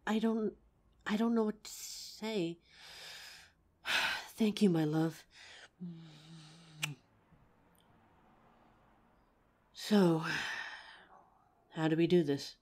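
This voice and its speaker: A woman's voice: medium pitch, mellow. A young woman voicing an anxious, protective female werewolf who stammers and sighs as she talks to her partner. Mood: touched. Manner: hesitant, stammering, sighing often. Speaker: voice actor in audio roleplay. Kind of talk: audio roleplay for a listener.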